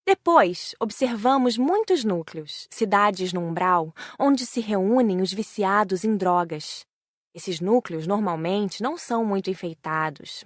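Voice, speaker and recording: A woman narrates an audiobook in the first person from a script. Her pitch is average, and the recording is close and dry, with no room sound. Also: no echo.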